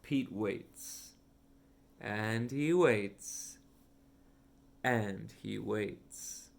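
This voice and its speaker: A man reading a children's picture book aloud as a storyteller, with simple, deliberate phrasing. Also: on the low side, vocal fry. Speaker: read-along storyteller.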